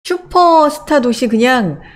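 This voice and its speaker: 부동산 토크쇼에서 질문을 던지며 맞장구치는 여성 MC입니다. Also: female voice, high voice, takes it slowly. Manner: lively, asks questions, frequent backchannel. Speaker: show MC. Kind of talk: talk show co-host banter.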